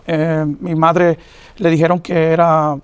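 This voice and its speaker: A man raised in New York by Puerto Rican parents, a Catholic preacher giving his personal testimony as an interview guest, earnest and halting with many fillers. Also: a little high, flat delivery, smooth, dry recording.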